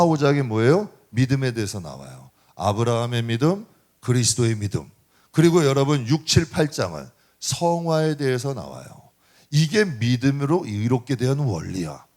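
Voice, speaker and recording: A middle-aged male pastor gives a sermon in a church, his voice at an ordinary middle pitch for a man. He keeps it lively and swinging, rising and falling as he throws rhetorical questions to the congregation. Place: church sanctuary.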